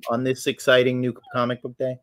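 A man co-hosting a podcast who cuts in with short, teasing prompts for the guests. His voice sits at a middle pitch and sounds dry, with no room echo. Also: monotone, a little fast. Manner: brief, teasing interjections. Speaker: podcast co-host. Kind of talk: casual podcast chat.

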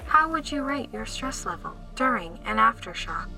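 An actress voicing a female AI therapy assistant that is booting up, speaking in polite, measured, machine-like phrases in an audio drama. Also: on the high side, sing-song, vocal fry, bright, forceful tone, soft background music, exaggerated voice, poor audio. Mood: composed.

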